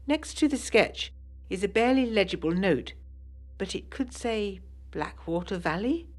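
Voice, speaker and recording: Genteel low-voiced 1920s Englishwoman. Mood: wistful, thoughtful. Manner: prim, articulate, period turns of phrase. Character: genteel, lively 1920s Englishwoman writing letters to John. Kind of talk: scripted audio drama letter narration.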